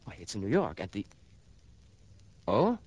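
A man's voice: on the low side, huge pitch swings, unhurried, darkish tone, husky, dry recording, highs cut off, heavily acted. A nervous, evasive man. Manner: anxious, defensive, polite. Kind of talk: 1960s radio drama acting.

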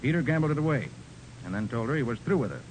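Through the rumble and hiss of an old radio recording comes a man playing an assured private detective. His medium-pitched voice is brisk and authoritative, delivered in crisp 1940s crime drama style. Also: expressive, a little mellow, close to an everyday voice, poor audio. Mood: explanatory, assured. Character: confident, commanding male private detective.

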